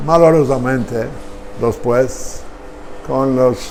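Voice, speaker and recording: Music in the background and audible room echo surround a man speaking at a very slow pace with ordinary pitch variation. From Turkey, Izmir. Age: 80s+. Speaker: Ladino speaker, interviewee. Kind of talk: interview. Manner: halting, with frequent fillers.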